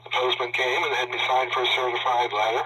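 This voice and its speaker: A man on a phone call, speaking calmly and firmly in a lecturing way. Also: mid-range voice, quick pace, slight background noise. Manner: calm, firm, lecturing. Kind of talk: tense phone conversation. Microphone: telephone.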